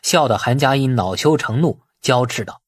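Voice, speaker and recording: A man reading a novel as dramatic scripted narration, in a husky voice. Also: medium pitch, animated, normal speed, no echo. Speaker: audiobook narrator.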